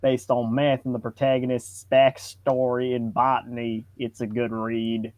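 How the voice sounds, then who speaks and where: A man voicing a pompous, condescending, well-read online debater in a comic reading, measured and sardonic with elaborate wording. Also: medium pitch, monotone, a little mellow, no echo, natural voice. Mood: dry condescension.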